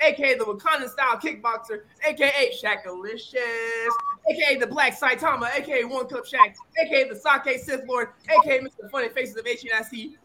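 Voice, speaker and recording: Podcast guest, male, hypes himself with a profane list of nicknames, fast and punchy. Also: extremely high pitch, bright, forceful tone, slight background noise. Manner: rapid-fire, profane nickname roll call. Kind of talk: hype self-introduction.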